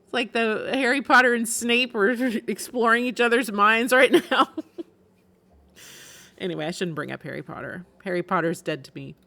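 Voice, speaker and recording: Bright-voiced woman streaming a game. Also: on the high side, moderate pace, creaky. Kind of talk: casual live gameplay commentary.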